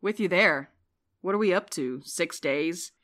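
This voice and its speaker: A woman's voice: lowish voice, unhurried, fairly bright tone. A woman playing a jaded, sleep-deprived young courier with a dry, sarcastic way of talking in a fiction podcast. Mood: wry, weary. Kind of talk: audio fiction podcast acting.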